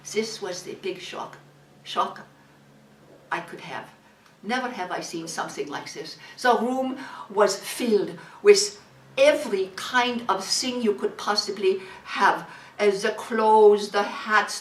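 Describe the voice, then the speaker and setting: A high-pitched widow, acted by a woman, tells her story in broken, halting English and keeps repeating herself while she searches for words. The voice sits back from the mic in a roomy, echoing space with a faint hiss underneath. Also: a bit bright. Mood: troubled. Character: German war widow, emotional, broken English. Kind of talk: dramatic monologue. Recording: echoey room, distant mic, faint hiss.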